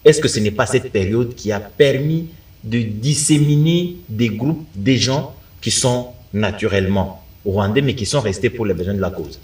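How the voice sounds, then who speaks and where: A man's voice: lowish voice, moderate pace, a little mellow, distant mic. A man hosting a studio debate, moderating and asking pointed, leading questions. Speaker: talk show host.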